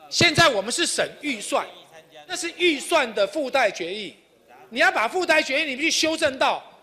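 Raising and projecting his voice, a man speaks in an extremely high pitch with lively intonation. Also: moderate pace. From Taiwan. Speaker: city councillor. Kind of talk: heated debate. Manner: animated. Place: hall. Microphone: podium.

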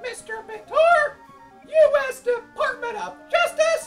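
A man uses a put-on character voice at an extremely high pitch, speaking at a fairly slow pace. Faint music plays in the background. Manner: brash, mocking.

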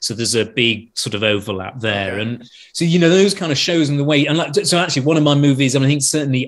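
With an English accent and a fairly high pitch, a man speaks at a very fast pace with hardly any pauses and lively intonation against a quiet background. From England. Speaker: television wine show presenter; television presenter. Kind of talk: casual chat. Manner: animated. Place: kitchen. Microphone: webcam.

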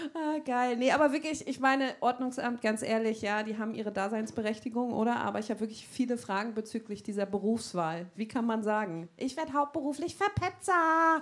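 Speaking at a moderate pace with hardly any pauses, a woman uses lively intonation and a fairly high pitch. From Berlin, Germany. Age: 40s. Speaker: stand-up comedian. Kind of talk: stand-up. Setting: stage with audience. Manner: casual, lots of filler sounds. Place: stage. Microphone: handheld.

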